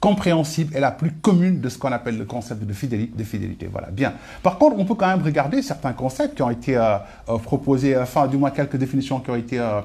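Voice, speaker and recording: A man's somewhat breathy, dark and mellow voice at a medium pitch, with lively intonation and a very fast pace. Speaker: marketing trainer. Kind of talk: lecture. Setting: live video stream. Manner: halting, many repetitions and fillers.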